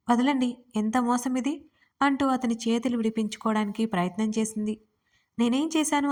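Give me a woman storyteller with a fairly high voice, narrating a romance audio story expressively. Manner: steady, expressive reading.

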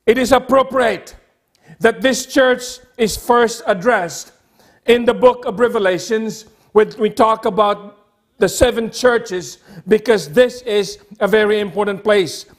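A middle-aged man preaching a sermon as a pastor, speaking deliberately in short, emphatic phrases with repetition. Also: high voice. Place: church sanctuary, at a pulpit.

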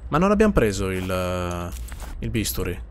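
A man gives live commentary on a horror game, his pitch leaping around as he mutters, repeats phrases and swears under his breath. A faint hiss of noise sits behind his voice. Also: sing-song, moderate pace. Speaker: streamer playing a horror game.

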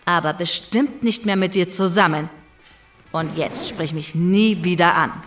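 A woman's voice: on the low side, a little slow, fairly bright tone, soft background music. An actress playing a resolute, fed-up young ex-girlfriend in a sci-fi audio drama, cold and dismissive.

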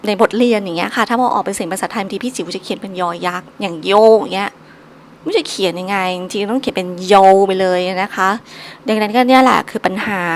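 A woman's voice: medium pitch, slight background noise. A woman teaching a solo recorded language lesson, patiently drilling each syllable three times over.

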